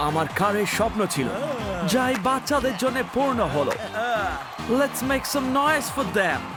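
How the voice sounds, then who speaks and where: A man's voice: very high-pitched, very animated, full character voice. A man voicing an exuberant, showy race-car owner in a cartoon dub, drawing out his words. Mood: exuberant, triumphant. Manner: showy, drawn-out. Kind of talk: exaggerated cartoon dub acting. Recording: loud music and crowd noise.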